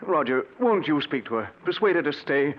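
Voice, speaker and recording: A man's voice: on the high side, sing-song, normal speed. An actor playing a wealthy, lovesick male stockbroker who pleads with his wife in a 1940s radio drama. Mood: pleading. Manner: pleading, then possessive and frantic. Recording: dull old radio broadcast.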